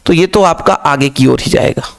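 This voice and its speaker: A man's voice: a little high, moderate pace, creaky. A man teaching physics to his pupils, repeating key phrases and asking questions that he then answers himself. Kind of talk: classroom lecture.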